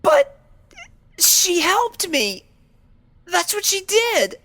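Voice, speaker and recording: A woman voicing an anxious, injured young pony mare who speaks haltingly and pleadingly in an audio story. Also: very high-pitched, big pitch swings, fairly bright tone, exaggerated voice. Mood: panicked, pleading. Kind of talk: dramatic audio story acting.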